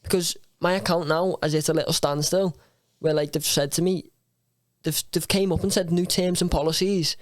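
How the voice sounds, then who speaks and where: A young man with a thick Scouse accent and a fairly high voice chats as a streamer on a podcast. He is slangy and emphatic, swears freely, and the sound is close and dry. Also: steady tone, normal speed, dry recording. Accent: Scouse, from Liverpool. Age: young adult. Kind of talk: casual podcast chat.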